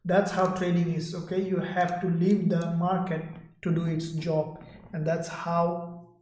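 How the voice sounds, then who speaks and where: A man from Sydney, Australia, hosting a live trading stream, talking loosely and repetitively to his viewers and reading their chat out loud. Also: fairly high pitch, flat delivery, measured pace, roomy sound, slight background noise.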